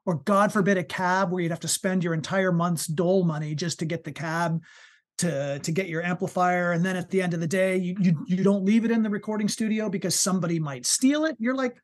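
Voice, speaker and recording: A man with a high voice, a musician telling stories in a casual interview, animated and full of fillers and restarts. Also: brisk. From United States. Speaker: musician guest.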